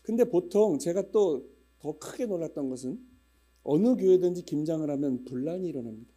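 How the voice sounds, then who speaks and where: A man's voice: fairly high pitch, lively intonation, brisk, mellow, faint music behind. A man in his fifties, a pastor, chatting humorously with his congregation and telling stories before his sermon. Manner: chatty, humorous storytelling with regional dialect imitations. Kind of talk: casual church announcements before a sermon.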